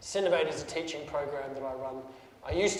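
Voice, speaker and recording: A man with an Australian accent talks at a fairly quick pace with ordinary pitch variation. Audible room echo and noticeable background noise fill the recording. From South Australia. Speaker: film industry speaker. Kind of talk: lecture.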